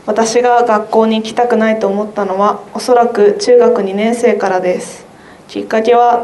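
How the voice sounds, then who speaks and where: A teenage girl, a high school student, reading her own essay aloud quietly and carefully for a radio program. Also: roomy sound, slight background noise. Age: teens.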